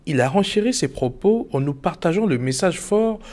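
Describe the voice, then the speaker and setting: A man narrating a radio report in a formal, measured reporting style. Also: fairly high pitch, expressive, noisy background. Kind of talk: scripted narration. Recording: narration over music bed.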